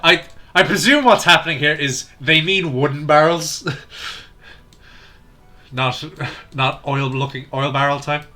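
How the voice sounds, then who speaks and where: A man's voice: fairly high pitch, a little slow, long pauses, pushed and bright. A man casually chatting and reading lines aloud during a video game playthrough. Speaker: gaming commentator reading out game dialogue. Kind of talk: casual playthrough banter and dubbing. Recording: game music behind the voice.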